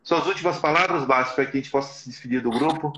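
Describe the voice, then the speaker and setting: A man's voice: mid-range voice, quick pace, bright, forceful tone, slight background noise. A middle-aged man hosting a motivational live webinar, earnest and exhorting, often adding short tag questions. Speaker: live stream host for a business support agency. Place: small plain room indoors. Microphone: video call, device in front of him. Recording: echoey, slightly dull video call audio.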